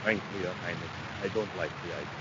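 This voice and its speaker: A man's voice: sits low, quick pace, a bit bright. An actor playing a nervous, obedient villain's henchman, uneasy and deferential, in a 1950s radio adventure. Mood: doubtful. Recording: muffled, noisy 1950s radio recording.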